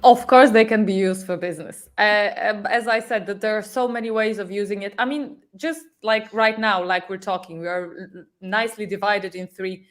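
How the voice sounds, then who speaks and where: A woman's voice: medium pitch, normal speed. A woman speaking as a guest in a casual panel discussion, informal and often searching for words. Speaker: talk show guest.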